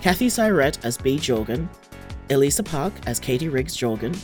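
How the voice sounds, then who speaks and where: A narrator reading scripted end credits for an audio drama in a clear announcing style. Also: medium pitch, big pitch swings, normal speed. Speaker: credits reader. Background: music.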